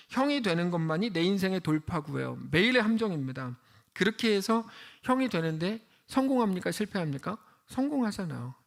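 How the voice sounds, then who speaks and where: A man's voice: high voice, gravelly. A male pastor giving a conversational midweek sermon and acting out the people he quotes. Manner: lively conversational preaching, acts out quoted voices.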